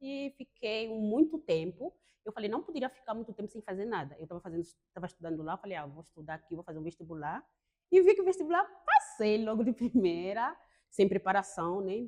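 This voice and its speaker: A woman with an Angolan accent and medium pitch talks fairly quickly with very wide pitch swings, recorded with a dry, close sound and no echo. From Angola, Luanda. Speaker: entrepreneur and mentor. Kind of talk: interview.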